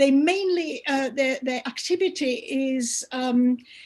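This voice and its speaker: Speaking at a fairly slow pace, a woman has a high pitch and a Czech accent. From Czech Republic, Prague. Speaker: literary organization director, panelist. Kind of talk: webinar panel talk. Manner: halting, many fillers.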